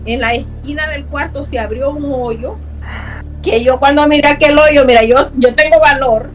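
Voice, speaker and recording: A middle-aged woman from Honduras speaks with a slightly raised pitch. She tells her story earnestly and emphatically, often repeating words to stress a point. Soft music plays faintly behind her. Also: fairly even intonation, moderate pace, low-quality recording. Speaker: guest telling a true haunting story. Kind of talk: personal storytelling in a conversation.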